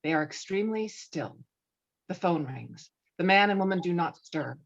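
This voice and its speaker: Female script narrator, lowish register, table-read delivery, slightly dull recording. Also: expressive, moderate pace, gravelly. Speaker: narrator reading stage directions.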